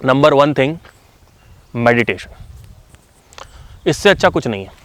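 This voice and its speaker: A man's voice: medium pitch, expressive, unhurried, dry recording. A man giving a casual motivational talk, speaking conversationally with fillers and frequent switches into English phrases. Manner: conversational, fillers like "you know".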